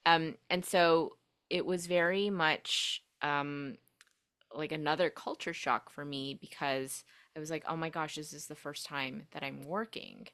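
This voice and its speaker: Young woman with a low voice, reflective podcast guest with many fillers, grew up speaking Korean first. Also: steady tone, unhurried, a bit bright, clear, resonant tone. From United States. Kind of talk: casual interview storytelling.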